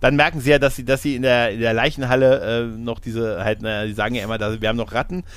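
A man's voice: mid-range voice, fairly even intonation, quick pace, smooth. Man, podcast host, casual film talk, rambling, constant tag questions, laughs often.

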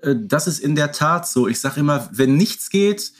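A man's voice: fairly high pitch, animated, normal speed. A man co-hosting a podcast, giving his opinions emphatically in a conversational style. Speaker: podcast co-host.

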